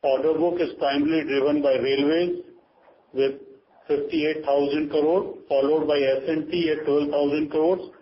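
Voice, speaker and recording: A man's voice: a little high, fairly even intonation, moderate pace. A man with an Indian accent reading a formal, scripted corporate statement as a company chief on a conference call. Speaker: company chief giving earnings remarks. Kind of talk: formal prepared corporate statement read aloud. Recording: dull lo-fi conference call, faint noise.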